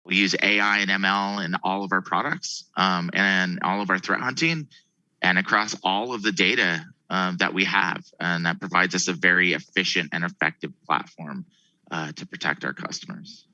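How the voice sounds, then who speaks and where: A low-pitched man with a very sharp, forceful tone, speaking as a company executive to investors. He is halting and repeats words as he explains, and the sound is close and dry. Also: steady tone, no echo, lo-fi sound. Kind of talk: business presentation and answering investor questions.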